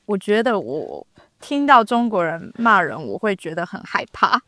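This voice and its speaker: A woman from Taiwan who teaches Chinese, chatting casually as a podcast guest and swooping up in pitch when she quotes people. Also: moderate pace, dry recording, clean studio sound. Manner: expressive, swoops up when quoting. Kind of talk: casual chat.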